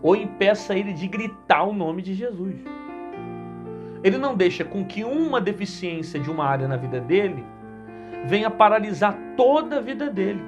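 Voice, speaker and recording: High-voiced Brazilian pastor preaching. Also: male voice, expressive, normal speed. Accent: Brazilian Portuguese. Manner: earnest, repetitive exhortation. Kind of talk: sermon. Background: guitar music.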